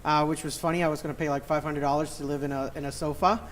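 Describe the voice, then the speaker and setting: A man's voice: on the high side, flat delivery, fast talker, slight background noise. A man in his thirties from Puerto Rico, chatting as an interview guest and searching for his words. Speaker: interview guest, company co-founder. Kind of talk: casual interview chat.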